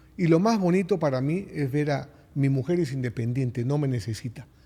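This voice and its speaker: This man has a dark, mellow, somewhat breathy tone and a fairly high pitch. He speaks at a fairly quick pace with ordinary pitch variation. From Peru. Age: 60s. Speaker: real estate investor and business executive. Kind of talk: podcast interview.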